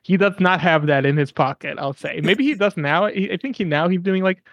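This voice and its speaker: A man with a fairly high voice talks loosely and at length in casual podcast chat. He cuts in and out of asides and swears freely. The sound is dry and close, with almost no room around him. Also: brisk, gravelly, no echo. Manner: rambling, animated, swears casually. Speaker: podcast co-host.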